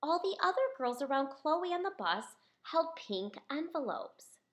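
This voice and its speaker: A woman's voice: sits high, very animated, unhurried, a bit bright. A woman reading a picture book aloud as its author, speaking expressively to young listeners. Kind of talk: storybook read-aloud to children.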